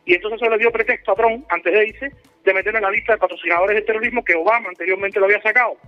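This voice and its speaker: A man from Cuba calling in to a radio talk show, explaining his views in an earnest, steady way. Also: high voice, very fast. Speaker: caller. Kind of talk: phone-in call. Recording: muffled phone-in with faint music.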